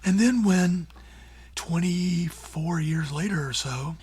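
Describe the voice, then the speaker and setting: A middle-aged man who hosts a radio show, answering interview questions in a breathy, raspy, near-whispered voice, earnest and plainspoken with casual fillers. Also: sits high, slow, darkish tone. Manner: earnest and plainspoken, with many "you know" and "like" fillers. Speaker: radio show host and former newspaper columnist.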